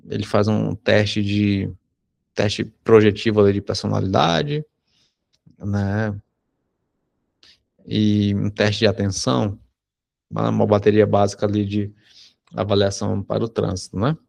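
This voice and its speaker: Gravelly low-voiced Brazilian man teaching. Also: fairly even intonation, a little slow, pauses often, a little mellow. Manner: conversational, frequent tag questions. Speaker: psychology teacher. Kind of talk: anecdote told in a recorded lesson.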